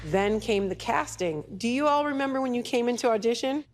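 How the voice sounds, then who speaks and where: A woman's voice: a little high, brisk, close to an everyday voice. A woman playing an earnest TV reunion presenter in scripted comedy dialogue.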